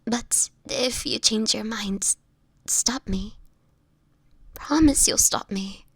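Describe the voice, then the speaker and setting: A woman playing a gentle, sickly, anguished vampire in a whispery audio roleplay, speaking hesitantly and tenderly to the listener. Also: fairly high pitch, slow, no echo, full character voice. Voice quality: breathy, often whispering.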